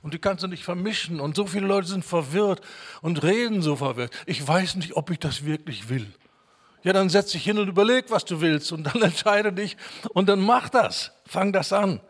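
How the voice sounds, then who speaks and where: High-voiced man preaching emphatically. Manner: emphatic, repeats key words, quotes scripture slowly. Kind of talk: sermon.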